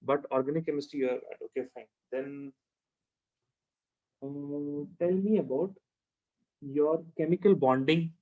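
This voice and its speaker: South Asian male tutor, slightly high voice. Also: fairly even intonation, measured pace, pauses often, phone-quality sound. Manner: repeats phrases, checks understanding with questions. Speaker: chemistry teacher. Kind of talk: informal one-to-one tutoring.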